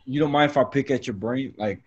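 A man's voice: mid-range voice, brisk, husky. Laid-back slangy man, lo-fi sound. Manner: slangy and laid-back, full of "bro" and "you know what I'm saying". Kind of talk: casual chat and storytelling. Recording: lo-fi, slightly dull sound.

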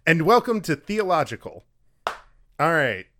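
A man in his late twenties from Texas, co-hosting a casual podcast and talking in a relaxed, rambling way with fillers and light laughs. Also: a little high, a little slow, faint music behind. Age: 20s. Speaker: podcast co-host.

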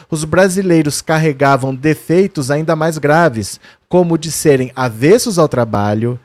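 A man's voice: a little high, a little mellow, no room sound. Brazilian man explaining history. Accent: Brazilian Portuguese. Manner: conversational, shows documents to viewers; quotes historical figures in a raised voice. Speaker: history presenter.

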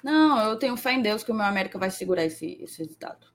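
A woman's voice: mid-range voice, animated, quick pace. A woman co-hosting a live sports stream, chatty and playful, reading viewer comments aloud. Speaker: podcast co-host. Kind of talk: casual live-stream chat.

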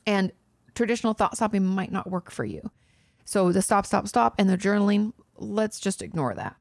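A woman with a crackly edge to her voice, like the counselor host of an online advice show answering questions close up in a dry, quiet room. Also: medium pitch, lively intonation, moderate pace, gravelly, dry recording. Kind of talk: casual explanatory advice, reading questions aloud.

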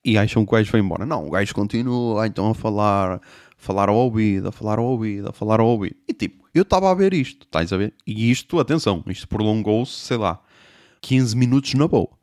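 A young man telling a comic story, animated, swearing and making sound effects. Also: fairly low pitch, fast, no echo, studio quality. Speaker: podcast host.

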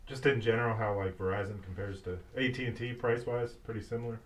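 A man's voice: lowish voice, steady tone, fast talker, low-quality recording. A man chatting casually and putting in brief questions.

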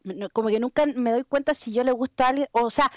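A young woman with a Chilean accent and a high, bright-pitched voice tells stories in a casual chat. She is expressive and slangy, and she acts out what others said. The sound is dry and close to the mic. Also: a little fast, no echo. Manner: expressive, slangy storyteller who acts out quotes.

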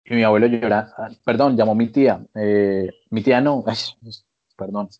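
A young Colombian man with a Colombian accent, a podcast co-host telling a casual story with lively quoted voices. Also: on the low side, moderate pace, muffled recording. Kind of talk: casual chat.

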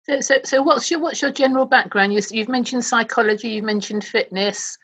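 A woman's voice: fairly high pitch, a little fast, a bit bright, slightly rough. A woman hosting an interview, asking chatty questions and often repeating her opening words. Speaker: interviewer, host. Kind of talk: radio interview.

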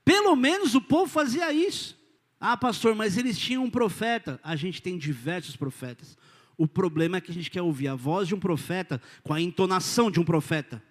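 A Brazilian pastor preaching in a church hall, his voice pitched high for a man. He talks to the congregation directly and informally, swinging from loud bursts to near-hushed asides, with a long reverb trailing behind him. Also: fairly quick. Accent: Brazilian Portuguese. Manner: informal, direct, addresses listeners as "cara" and "querido"; animated, swings between loud and quiet. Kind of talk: sermon.

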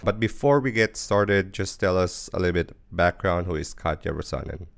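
A man's voice: sits low, moderate pace, gravelly, clear, resonant tone, no echo. Upbeat salesy male podcast host. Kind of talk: promotional podcast intro and interview.

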